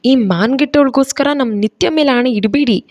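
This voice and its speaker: A jealous, sharp-tongued pregnant young wife from an audio story, played by a woman narrator. She speaks in a raised, scornful tone. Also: high-pitched, a little fast, pitched above the performer's own voice, lightly acted. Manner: scornful, then pleading.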